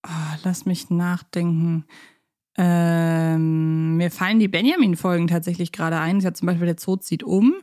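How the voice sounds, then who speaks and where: A woman's voice: fairly low pitch, fairly even intonation, unhurried, dark tone, dry recording. Woman chatting, close dry sound. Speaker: podcast co-host. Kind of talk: casual unscripted podcast chat about audio dramas.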